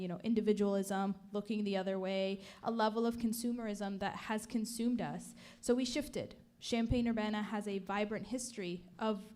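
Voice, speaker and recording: A woman from Palestine, a native Arabic speaker, giving an earnest, measured talk on a community panel with frequent fillers. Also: medium pitch, a little mellow.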